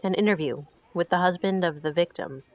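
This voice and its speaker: An actress playing a quietly perceptive woman who assists detectives, measured and thoughtful, in an audio drama. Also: lowish voice, close to an everyday voice. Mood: calm, focused.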